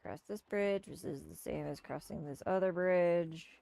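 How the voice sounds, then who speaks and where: A woman streaming a game and reading its dialogue aloud, slipping playfully into goofy high voices for the characters. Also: measured pace, gravelly, mellow, dry recording. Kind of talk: casual let's-play with read-aloud character voices.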